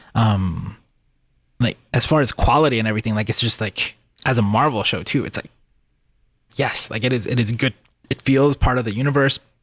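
A man speaks at a medium pitch, leaving long, frequent pauses. The sound is dry and close with no echo. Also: ordinary pitch variation, fairly quick pace. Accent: American. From US Northeast (New Jersey). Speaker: podcast host. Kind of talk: casual chat.

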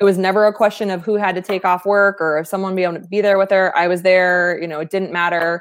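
A woman with an American accent rattles along at a very fast pace with hardly any pauses, her medium pitch held in a monotone, flat intonation. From Arizona, East Valley. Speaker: real estate agent and team leader. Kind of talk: casual interview.

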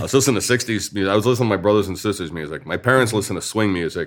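A man talks very fast with an American accent. His voice sits fairly low, with ordinary pitch variation. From Boston, Massachusetts. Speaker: musician and comedian. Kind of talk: casual interview chat. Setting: bar.

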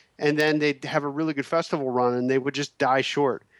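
This man has a plain, everyday voice, fairly high in pitch, with an American accent. He speaks at a moderate pace against a quiet background. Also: dry, close sound with no echo. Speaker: film producer and distribution expert. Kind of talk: interview.

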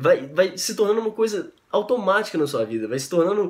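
A high-pitched man at a fairly quick pace, with lively intonation. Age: 20s. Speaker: entrepreneur, course student. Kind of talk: testimonial.

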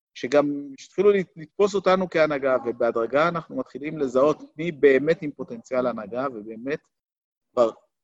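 This man has a normal speaking voice of medium pitch with ordinary pitch variation, talking at a fairly slow pace on a dry, close recording with no echo. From Israel, western Negev. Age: 50s. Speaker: author and retired civil administration officer. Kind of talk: podcast interview.

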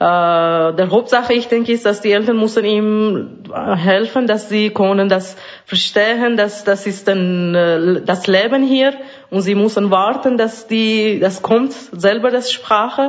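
Over noticeable background noise, a woman speaks very slowly at a fairly high pitch, her loudness very even and her intonation fairly even. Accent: Persian. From Iran. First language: Persian (speaking German). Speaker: immigrant mother. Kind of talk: testimony. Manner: halting.

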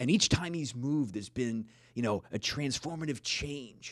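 A plain, everyday voice from a man, medium in pitch with ordinary pitch variation, at a moderate pace on a very clean recording with a silent background. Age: 50s. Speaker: podcast host and sales performance coach. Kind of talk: casual interview.

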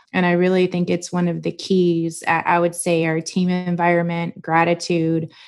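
A woman's fairly low voice in a Texan accent, moderate in pace and monotone, flat in intonation, on a very clean recording with a silent background. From South Texas (Corpus Christi). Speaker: company executive. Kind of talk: interview.

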